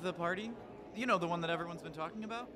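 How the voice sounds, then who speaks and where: A young man acting a cocky, theatrical high school boy playing Romeo, flippant and melodramatic, in a comedic audio drama. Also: very fast, noisy background, close to an everyday voice. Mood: eager, scheming. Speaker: actor.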